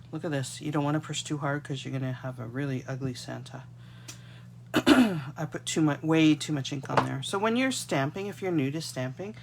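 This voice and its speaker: A congested Canadian woman who is getting a cold demonstrates card-making at her craft desk, chatting to viewers as she works in a casual live tutorial. Her voice is low-pitched and creaky over background noise, and an overhead desk camera shows only her hands.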